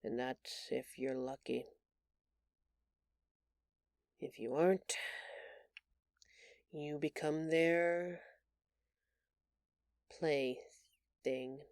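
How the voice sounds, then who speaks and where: A woman voicing a gentle, timid alien woman in an intimate audio roleplay, speaking hesitantly and earnestly, with tender halting stammers. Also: deep voice, no echo, clean studio sound, exaggerated voice. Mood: somber, hushed. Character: gentle, timid bioluminescent alien woman, shapeshifter in human exile.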